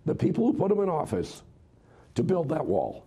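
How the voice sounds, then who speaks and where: An American man, hoarse and raspy from a cold, giving political commentary as a radio host guest in an interview. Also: a little high, huge pitch swings, normal speed, mellow. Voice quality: husky, raspy, strained.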